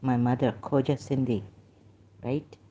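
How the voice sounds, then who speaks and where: Halting Pakistani woman, low mellow voice. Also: steady tone, breathy edge. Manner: rambling, halting, many fillers and restarts. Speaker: vlogger. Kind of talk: casual monologue, reading aloud at times.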